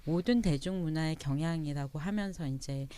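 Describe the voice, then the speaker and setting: A woman guest on a podcast, talking in a measured, reflective way. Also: sits low, warm tone, smooth. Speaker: guest writer. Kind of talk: thoughtful discussion.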